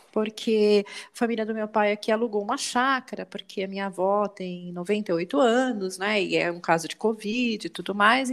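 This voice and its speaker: A middle-aged Brazilian woman telling a personal story on a podcast, acting out the dialogue as she goes. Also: gravelly. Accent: Brazilian Portuguese. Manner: animated, quotes dialogue with rising pitch. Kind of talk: casual storytelling.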